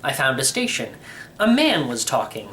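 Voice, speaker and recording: A man narrates a children's book in the first person. His scripted storytelling is animated, with a medium pitch that rises and falls widely. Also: normal speed, a little hiss or hum. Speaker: audiobook reader.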